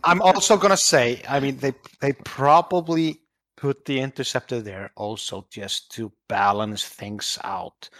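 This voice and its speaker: Relaxed man arguing in casual chat. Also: mid-range voice, unhurried, dry recording.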